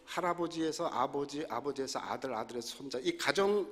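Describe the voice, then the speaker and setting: Older male preacher, lively storytelling sermon, slightly high voice, long church reverb. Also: fairly quick. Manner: animated storytelling with laughs and mimicked voices.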